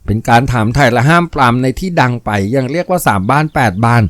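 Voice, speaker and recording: A man narrating a novel aloud in a steady, vivid storytelling manner. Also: mid-range voice, quick pace, dry recording, studio quality. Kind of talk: dramatic novel reading.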